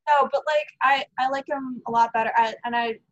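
A woman comedian chats as a podcast guest in a fairly high voice. She talks in a halting, hesitant way with a wry edge. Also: fairly even intonation, a bit bright, highs cut off. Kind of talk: casual podcast chat.

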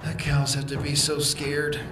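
A man voicing a wry young man trapped in a dark station, joking dryly to stay calm in an audio drama. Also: a little high, measured pace, far from the mic, lightly acted. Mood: worried. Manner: dry, self-mocking humor. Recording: echoey room, off-mic, music behind.

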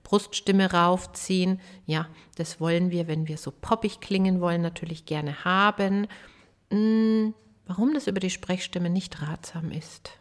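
A woman's voice: fairly low pitch, a little slow. A woman voice coach hosting a podcast lesson, chatty and emphatic, checking in with the listener as she explains. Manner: chatty, addresses listener with tag questions; emphatic, lively. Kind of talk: casual spoken podcast lesson.

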